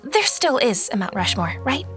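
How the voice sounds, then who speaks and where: A woman's voice: a little high, sing-song, normal speed, fairly bright tone. A woman voicing an earnest, idealistic, outspoken sixteen-year-old girl in an audio drama, with a pushy, youthful manner. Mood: pushy, dismayed. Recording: music under the voice.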